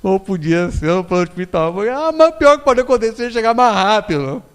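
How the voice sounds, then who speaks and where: Brazilian male lecturer, high voice, animated storyteller, echoing hall. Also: a little fast, clean tone. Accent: Brazilian Portuguese. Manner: storytelling, acts out quoted voices, frequent tag questions. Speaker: spiritist lecturer. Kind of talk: public lecture with anecdotes. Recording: long hall reverb.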